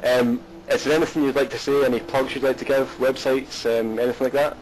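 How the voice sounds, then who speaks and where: Rambling Scottish commentator on a noisy line. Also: male voice, mid-range voice, flat delivery, brisk. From Scotland. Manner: rambling, many fillers and restarts. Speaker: race commentator. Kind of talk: live race commentary and interview.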